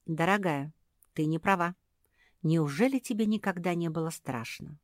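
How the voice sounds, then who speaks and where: A woman voicing a gentle, motherly black female pug who speaks in a tender, coaxing way. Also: lowish voice, normal speed, no room sound, studio quality, close to an everyday voice.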